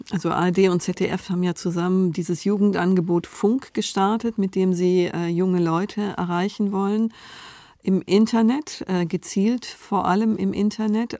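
A woman's voice: mid-range voice, dark tone, dry recording. A woman speaking spontaneously as an interview guest, explaining and arguing her points in a reasoned way. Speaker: interview guest, media expert. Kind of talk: spontaneous analytical discussion.

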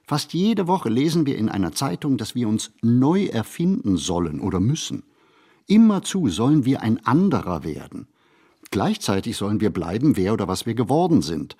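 A male actor playing a brooding, observant city wanderer in a literary radio play, speaking in measured, deliberate phrases. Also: medium pitch, big pitch swings, dark tone, breathy edge. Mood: restless, wry. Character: brooding, observant male city flaneur narrating his thoughts.

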